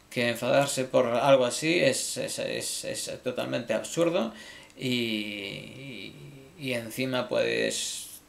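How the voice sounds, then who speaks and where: Man in his own vlog, mid pitch, gravelly, stumbling over words, apologetic. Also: a bit bright. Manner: halting, repeats words, swears casually. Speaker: video creator. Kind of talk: casual apology to viewers.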